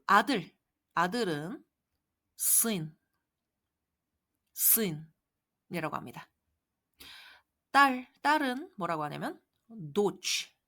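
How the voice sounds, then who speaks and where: A woman's voice: mid-range voice, bright, forceful tone. Patient woman teaching Russian words. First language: Korean. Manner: patient, repeats each word slowly for learners. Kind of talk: online language lesson.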